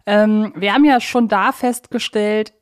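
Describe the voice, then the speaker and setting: A woman's voice: mid-range voice, steady tone, a little slow. A woman co-hosting a podcast, chatting casually and a little hesitantly, often circling back to rephrase her points. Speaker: podcast co-host. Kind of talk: casual discussion of an audio drama series.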